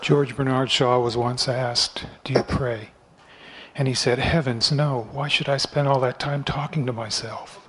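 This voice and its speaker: A man's voice: medium pitch, steady tone, a little slow, a little hiss or hum. A man in a lecture audience, wryly telling a quip before asking his question. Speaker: audience member. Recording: audience murmur around him.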